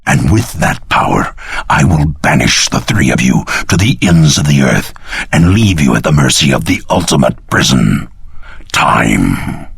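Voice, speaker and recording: Arrogant time-travelling villain, video game, gravel-throated, slow, dry close sound, threatening. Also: male voice, very deep voice, big pitch swings, no room sound, heavily acted. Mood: menacing, gloating. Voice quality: gravelly, raspy. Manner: slow, grandiose, condescending.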